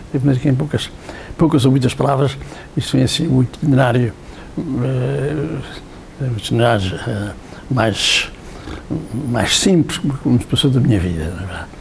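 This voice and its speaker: Against noticeable background noise, a man with a medium pitch talks at a moderate pace with lively intonation. He takes long, frequent pauses. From Azores, Flores island. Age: 80s+. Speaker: retired priest and teacher. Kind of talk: interview testimony. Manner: halting, with many repetitions and fillers.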